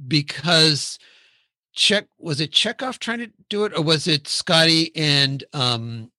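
A man's voice: fairly high pitch, slow, pushed and bright, no echo. A man hosting a casual film discussion, steering the talk and thinking aloud with restarts.

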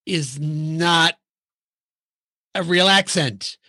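A man's voice: a little high, extremely slow, pushed and bright, no echo. A man hosting a casual film discussion, steering the talk and thinking aloud with restarts.

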